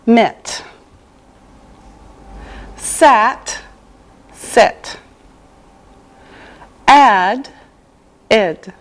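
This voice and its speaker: A middle-aged woman teacher from Canada leads an English lesson at a very slow, deliberate pace. Her voice sits a little high. She spells out each word with great care. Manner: slow, carefully enunciated. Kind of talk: scripted language lesson.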